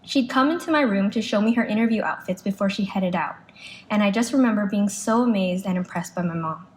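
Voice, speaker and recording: A woman's voice: mid-range voice, a little fast. A woman reads out a prepared eulogy, speaking as a daughter. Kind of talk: prepared memorial speech read aloud. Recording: live speech with clear background noise.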